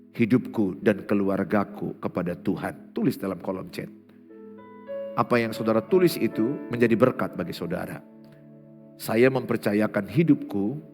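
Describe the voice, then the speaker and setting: Earnest Indonesian pastor in a reverberant hall. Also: male voice, medium pitch. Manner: earnest, repeats key phrases, slows down on prayers. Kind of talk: morning prayer sermon. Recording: long hall reverb with faint music. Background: soft instrumental music.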